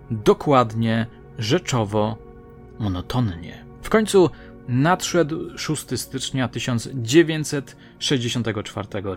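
A man narrates a scripted true-crime story at a mid pitch, measured and dramatic, letting his phrases sink low at the ends. A faint music bed runs beneath his voice. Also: gravelly.

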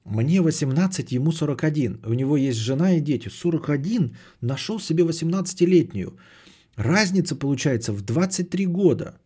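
A man's voice: on the high side, expressive, moderate pace, warm tone, breathy edge. A man hosting a podcast, chatting casually and sardonically as he answers audience messages, often swearing and repeating phrases. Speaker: podcast host.

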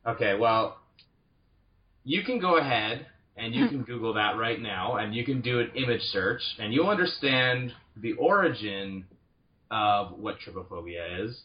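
A man's voice: on the low side, lively intonation, measured pace, highs cut off. A man talking as a podcast guest, rambling and restarting his sentences. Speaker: comic book writer guest. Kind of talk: casual podcast chat.

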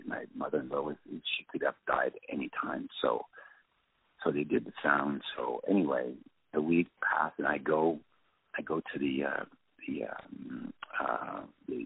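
A man with a French accent, a film director, telling anecdotes in an interview with many halting restarts and fillers. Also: very deep voice, fairly even intonation, creaky, husky, no room sound. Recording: tinny phone-line audio.

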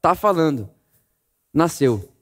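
A man preaching a sermon, telling the story vividly and swinging from loud emphasis to a hush. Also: fairly high pitch, slow pace. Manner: animated storytelling, acting out voices, swings between loud and hushed.

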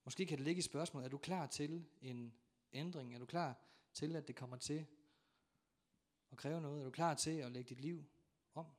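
Male preacher, slightly high voice, dramatic storyteller who acts out the voices in a church sermon. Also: pauses often. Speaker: pastor.

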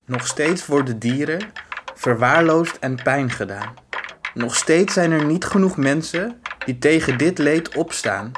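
A man acting as a reclusive, earnest neighbour in a radio play. He speaks tersely and solemnly, like a self-appointed protector of the street. The recording is clearly noisy, with clicking behind him. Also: on the high side, a little slow, lightly acted. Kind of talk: scripted audio drama acting.

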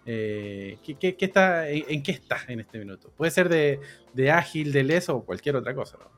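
A man's voice: medium pitch, lively intonation, moderate pace, fairly bright tone, faint music behind. Enthusiastic male podcast host. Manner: enthusiastic, repeats words for emphasis. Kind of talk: interviewing a guest.

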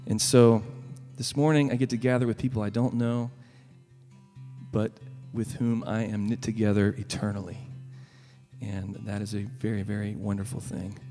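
A man with a Southern US accent speaks earnestly and gently between worship songs as a guest worship leader, with frequent pauses. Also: fairly low pitch, flat delivery, soft background music. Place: church sanctuary. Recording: long reverb from a large church hall.

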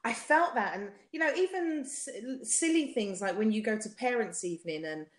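Female podcast guest, South London accent, higher register, emphatic and repetitive for effect, very roomy sound. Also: animated, moderate pace. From South London, England. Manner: emphatic, rhetorical repetition, often seeks agreement. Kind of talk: personal testimony in a podcast conversation.

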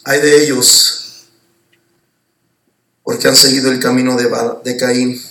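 A male preacher giving an emphatic sermon in a church hall, rising to shouts at its peaks. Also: mid-range voice, level tone, measured pace. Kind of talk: sermon with personal testimony. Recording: roomy church sound from a distant mic.

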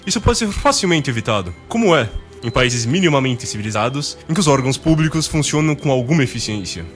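A man playing a dryly sarcastic, pedantic Brazilian narrator in an amateur radio drama, delivering scripted narration deadpan. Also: medium pitch, quick pace, faint music behind, lightly acted. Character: measured, dryly sarcastic documentary-style narrator.

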